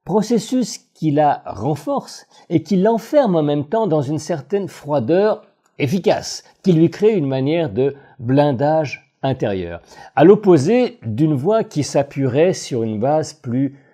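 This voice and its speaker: A man narrates a scripted analysis as a voice coach. He is measured and analytical, with a very dark timbre and a pitch that rises and falls expressively. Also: big pitch swings.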